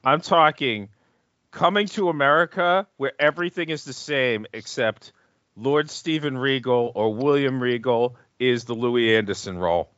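A man's voice: medium pitch, normal speed, a bit bright, no echo, lo-fi sound. A man co-hosting a podcast, rambling and joking in casual chat with restarts. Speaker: podcast co-host. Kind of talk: casual chat about wrestling.

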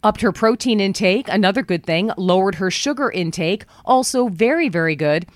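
A woman's voice: mid-range voice, expressive, normal speed, dry recording. Chatty woman talk radio host. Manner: chatty, upbeat, folksy frugal tips. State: voice worn low from travel. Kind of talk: talk radio monologue with live ad reads. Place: radio studio. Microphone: studio microphone.

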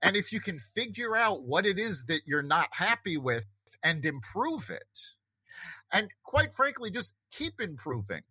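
A man's voice: sits high, sing-song, measured pace, bright, forceful tone, breathy edge, no echo. A man hosting a conversation, talking earnestly and reflectively about self-improvement, with frequent restarts. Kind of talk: casual conversation.

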